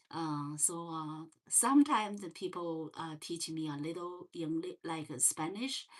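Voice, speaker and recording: A woman from China with a Chinese accent, hosting a relaxed livestream chat with viewers and often pausing on fillers. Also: low voice. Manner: slow and gentle, many fillers and restarts. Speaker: livestream host. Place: parents' home.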